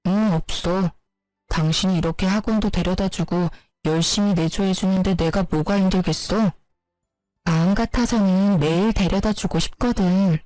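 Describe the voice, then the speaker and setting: A woman voicing a defensive young husband who answers flatly and matter-of-factly, in a storybook drama. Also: mid-range voice, normal speed, dry recording, faint music behind, close to an everyday voice, low-quality recording. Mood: placating. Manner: flat, matter-of-fact replies.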